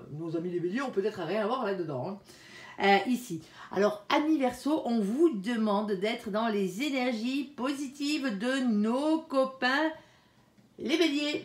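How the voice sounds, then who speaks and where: Chatty woman with a lively, high voice. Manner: chatty, peppers speech with "hein" and "alors"; softly pleads with her guardian angel between cards. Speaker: tarot card reader. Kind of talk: casual spoken tarot reading to viewers. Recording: echoey room.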